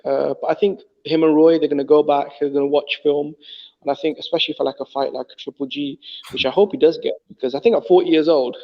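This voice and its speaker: A man's voice: on the high side, steady tone, fast, lo-fi sound. A man analysing boxing in casual chat, talking fluently and enthusiastically with many "you know" fillers. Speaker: boxing talk guest.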